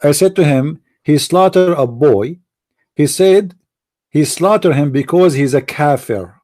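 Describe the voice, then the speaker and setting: This man sounds fairly high yet dark in tone, speaking unhurriedly. He's a debate host from the Middle East, a native Arabic speaker, who needles his opponent in a heated religious debate with repeated, mocking questions in a combative way.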